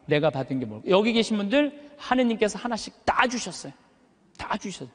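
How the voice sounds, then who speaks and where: High, full-voiced male priest in a reverberant hall. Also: sing-song, brisk, a bit bright. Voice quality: high but thick, full voice that carries. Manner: emphatic, uses rhetorical questions and stretched words for effect. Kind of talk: animated motivational sermon to a live audience. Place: large hall, speaking to an audience.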